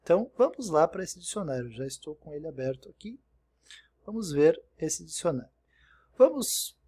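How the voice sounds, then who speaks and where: A man's voice: a little high, mellow. Patient man teaching English. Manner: patient and explanatory, often checking in with "né?". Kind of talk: recorded screen-share lesson.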